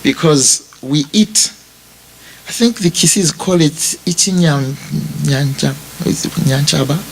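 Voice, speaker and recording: A man with a Zimbabwean accent preaching a sermon as a pastor, speaking deliberately and repeating phrases for emphasis as he addresses his listeners directly. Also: fairly high pitch, a little hiss or hum, rough recording. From Bulawayo, Zimbabwe. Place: funeral service before a congregation.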